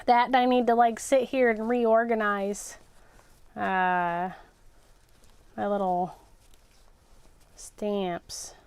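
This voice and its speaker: A woman's voice: medium pitch, little pitch movement, drawn-out words, pauses often, darkish tone, clear, resonant tone, no echo. A woman hosting a casual live jewelry-making session, thinking aloud in a chatty way and often repeating her words. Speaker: jewelry-making livestream host.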